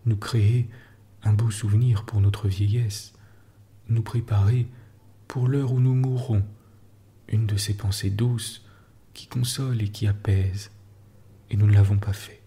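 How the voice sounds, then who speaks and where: A man's voice: lowish voice, unhurried, vocal fry, pauses often, mellow. A man voicing an aging man in his sixties who pleads with bitter urgency, pressing hard on each syllable, at times in a whisper. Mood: urgent. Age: 60s.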